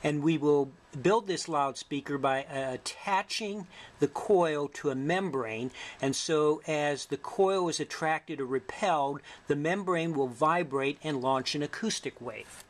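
A middle-aged man narrating an instructional demonstration as a lecturer, in a measured, explanatory way. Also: fairly high pitch. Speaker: physics lecturer. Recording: faint background noise.

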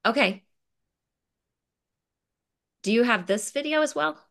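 A woman's voice: a little high, animated, takes it slowly, creaky. A woman in her forties speaking expressively as an author, reading aloud and explaining casually to children on a video call. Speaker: picture book author presenting. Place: indoor room with bookshelves, on video call.

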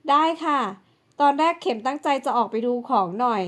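A woman performs a scheming, spoiled older sister in an audiobook drama. The voice sits high, and she talks in a coaxing yet bossy way, always pushing blame onto others. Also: a little fast, natural voice. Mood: sweet, coy. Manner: bossy and pushy.

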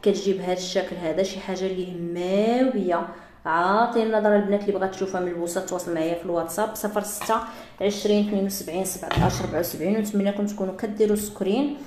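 A woman with a Moroccan Arabic accent, chatting through a live sales pitch for jewelry to her female viewers. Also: a little mellow, roomy sound. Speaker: jewelry seller.

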